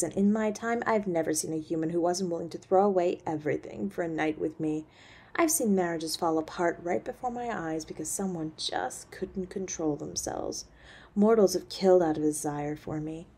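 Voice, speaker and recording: A woman acts as an ancient succubus matriarch in an audio drama, her voice low and rough-edged. She is haughty and cruel, talking down to others with imperious mockery and menace. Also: moderate pace, a little mellow. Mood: scornful. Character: haughty, cruel centuries-old succubus demon mother. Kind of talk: scripted audio roleplay acting.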